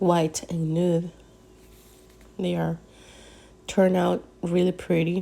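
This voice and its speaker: Speaking at a very slow pace, a woman uses a dark, mellow tone. She has a non-native accent. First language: not English. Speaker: craft youtuber. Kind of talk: tutorial. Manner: casual, halting.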